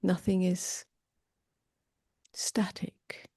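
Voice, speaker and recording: A woman meditation teacher leading a guided meditation softly and gently, often drifting toward a whisper, with long pauses. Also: on the low side, monotone, dry recording, studio quality. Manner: soft, breathy delivery drifting toward a whisper.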